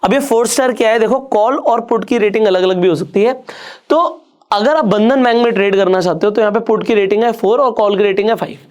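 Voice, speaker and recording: A man's voice: high-pitched, fast talker, darkish tone. A man leads an online trading tutorial as a market educator. He talks conversationally and directly to the viewer. He moves step by step, asking and answering his own questions. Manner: explains step by step with rhetorical questions.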